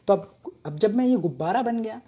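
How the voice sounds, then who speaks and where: A retired army officer from Bengal in his thirties tells his own story in a chatty, humorous, self-mocking monologue. His voice is high, expressive, a little fast, dark and husky, and the sound is lo-fi.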